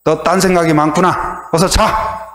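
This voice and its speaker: A male preacher voicing a drowsy, irritable old priest who scolds in a gruff tone. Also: on the high side, fairly even intonation, measured pace, fairly bright tone, reverberant, slight background noise, pitched above the performer's own voice. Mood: grumpy scolding.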